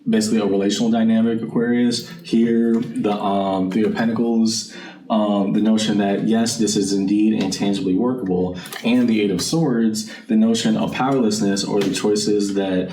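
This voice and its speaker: Roomy, low-voiced man reading tarot casually. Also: steady tone, normal speed, dark tone. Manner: informal, addresses the listener directly, thinks aloud. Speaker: tarot card reader and channel host. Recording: roomy, distant mic, faint background noise.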